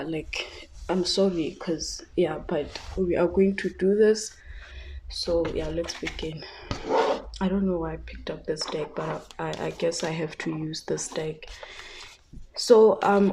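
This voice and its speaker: Soft-spoken, hesitant woman. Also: low voice, a little hiss or hum. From South Africa. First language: Tshivenda. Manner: hesitant, many fillers and restarts. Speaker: tarot reader. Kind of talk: casual psychic reading.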